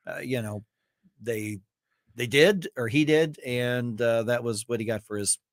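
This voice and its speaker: A man's voice: medium pitch, fairly even intonation, dry recording, clean studio sound. A man hosting a morning talk radio show, chatting casually with co-hosts and often restarting his sentences with fillers. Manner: halting, many restarts and fillers. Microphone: studio microphone.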